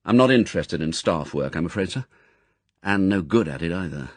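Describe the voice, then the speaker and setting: A man's voice: low voice, animated, brisk, no echo. A man voicing a polite, earnest secret agent who speaks respectfully to his superior in an audiobook. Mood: dejected, resigned. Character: deferential male secret agent, earnest, self-doubting subordinate. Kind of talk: audiobook character acting.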